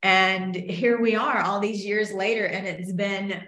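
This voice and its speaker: Woman from Memphis, a lively storyteller, bright forceful tone, echoey room. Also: mid-range voice, unhurried. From Memphis, US South. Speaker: real estate agent. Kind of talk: casual interview storytelling.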